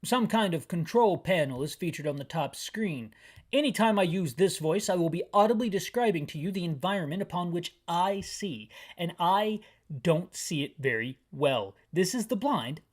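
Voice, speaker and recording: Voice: medium pitch, animated, moderate pace. An adult narrator gives a descriptive playthrough of a video game. The delivery is wry and rambling, slipping from scene description into comic opinions and interrupting itself along the way. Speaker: let's player and audio describer.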